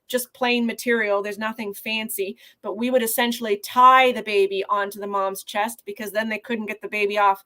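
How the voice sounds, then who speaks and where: A woman neonatologist from Canada answering interview questions over a video call in an earnest, measured way. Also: medium pitch, flat delivery, pushed and bright. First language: not Portuguese. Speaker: neonatologist guest.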